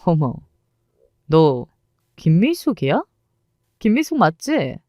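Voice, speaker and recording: A woman's voice: low voice, very animated, slow pace, mellow, no echo, clean studio sound, exaggerated voice. A woman voicing a smug, mocking former school bully who gloats and sneers. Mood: gloating.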